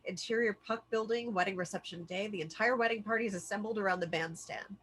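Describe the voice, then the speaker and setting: Woman reading out script directions, medium pitch, plain narration for a table read. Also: fast talker, fairly bright tone, breathy edge. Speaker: stage-direction reader.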